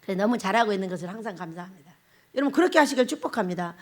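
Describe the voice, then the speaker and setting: A middle-aged woman pastor preaching a sermon in an animated way, laughing often and putting questions to the congregation. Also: medium pitch, very fast.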